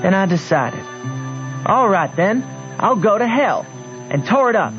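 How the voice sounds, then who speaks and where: A dull, lo-fi radio drama with music playing behind. an earnest runaway boy, fairly high in pitch, telling his own story in folksy, thoughtful backwoods talk. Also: big pitch swings, a little slow. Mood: defiant. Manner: folksy rural dialect, reflective. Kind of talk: scripted first-person narration in radio drama.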